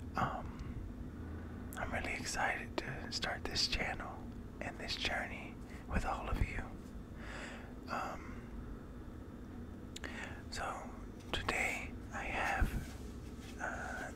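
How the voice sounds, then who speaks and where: Against loud background noise, a man speaks at a very slow pace with long, frequent pauses, the sound dry with no echo. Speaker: ASMR creator. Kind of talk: ASMR video narration to camera. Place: empty room. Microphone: studio mic.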